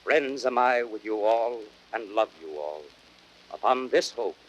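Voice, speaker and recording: A man playing a grieving, vengeful Roman nobleman in a classical radio play. He declaims verse in measured, theatrical phrases at a middle pitch. The old broadcast recording has a light layer of noise. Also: animated, close to an everyday voice, rough recording. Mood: solemn, restrained. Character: Mark Antony, grieving Roman nobleman turned vengeful orator. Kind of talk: 1930s American radio Shakespeare acting.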